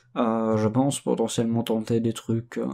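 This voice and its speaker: The recording is very clean, and the background is silent. A dark, mellow tone carries the voice. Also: man. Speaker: YouTuber. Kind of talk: casual vlog monologue. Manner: calm; halting, many fillers and repetitions. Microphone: new better recording gear.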